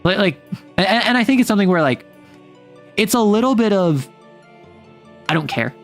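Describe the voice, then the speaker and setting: A man's voice: sits high, lively intonation, normal speed, faint music behind. An American man, a young adult, chatting casually on a livestream in a rambling, self-interrupting, wry way. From United States. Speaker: streamer.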